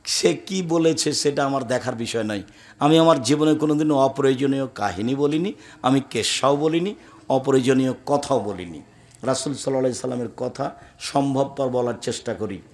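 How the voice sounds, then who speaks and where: A man preaching a sermon who speaks hard and forcefully, with emphatic rhetorical questions. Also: medium pitch, brisk. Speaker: Islamic preacher. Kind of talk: Bengali waz sermon.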